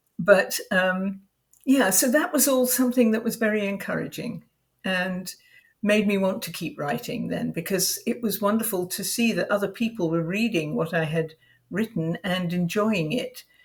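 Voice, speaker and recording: A woman with an American accent and a medium-pitched, somewhat breathy voice, at a moderate pace with ordinary pitch variation. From England. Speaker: writer. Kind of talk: interview.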